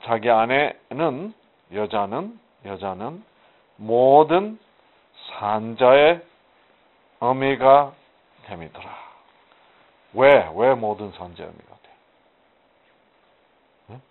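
A man's voice: lowish voice, sing-song, takes it slowly, gravelly, long pauses. Man teaching scripture, tinny phone-like sound. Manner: rhetorical questions answered himself, emphatic. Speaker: Bible teacher. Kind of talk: casual Bible study teaching. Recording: muffled phone-like audio.

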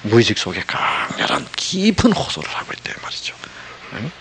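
A man preaching a sermon, asking the congregation constant rhetorical questions and dropping from loud emphasis to hushed asides. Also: mid-range voice, huge pitch swings, fairly quick, gravelly, in a whisper. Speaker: pastor.

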